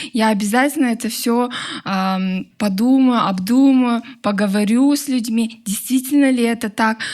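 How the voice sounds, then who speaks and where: Someone with a Kazakh accent speaks at a moderate pace over noticeable background noise. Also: woman. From Kazakhstan, southern region. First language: Kazakh (speaking Russian). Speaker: show participant sharing personal problem. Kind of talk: talk show confession. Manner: halting, many fillers and restarts.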